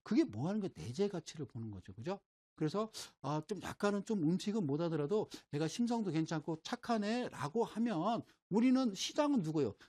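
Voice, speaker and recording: A middle-aged stock market lecturer with a high, mellow voice talks informally about investing, drawing on a board and using homespun everyday examples. His delivery is lively and folksy, rising and falling, and he keeps pausing to ask "right?" to make sure listeners are following.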